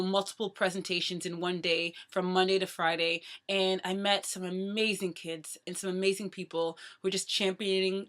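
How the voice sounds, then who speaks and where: A woman in her thirties chatting casually to her viewers in a playful way, talking very fast. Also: mid-range voice, bright, forceful tone. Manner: talks very fast. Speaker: vlogger. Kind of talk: casual chat to camera.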